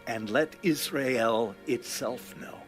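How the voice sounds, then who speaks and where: A man voicing a solemn tribal elder in a dramatized audio Bible, speaking in an earnest, measured way. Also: medium pitch, soft background music, close to an everyday voice, rough recording. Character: solemn tribal elder pleading his people's loyalty. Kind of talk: dramatized scripture reading.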